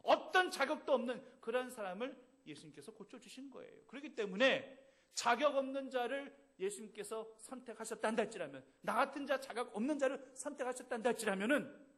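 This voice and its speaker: A man's voice: extremely high pitch, expressive, fairly quick, fairly bright tone. A man from Seoul preaching a sermon at a church service, emphatic and at times playful with the congregation. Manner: emphatic preaching with rising, swelling phrases. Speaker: pastor.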